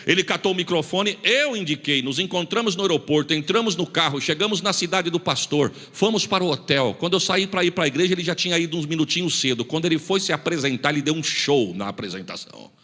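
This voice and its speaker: Male São pastor, rapid and bright, lively story sermon, echoing hall. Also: fairly high pitch. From São Paulo state, Brazil. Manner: animated, acts out dialogue, rising to emphatic shouts. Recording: reverberant church hall.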